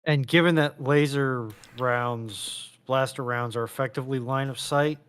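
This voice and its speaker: A man talks as a guest in a casual discussion. His voice sits at an average pitch for a man, and his delivery is conversational. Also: steady tone, unhurried, fairly bright tone, clear, resonant tone.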